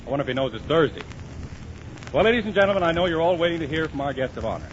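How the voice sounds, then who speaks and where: Fast, lively male radio emcee. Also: a little high, lo-fi sound. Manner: brisk emcee patter, wisecracking. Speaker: host. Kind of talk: 1930s radio comedy. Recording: scratchy 1930s radio broadcast with hiss.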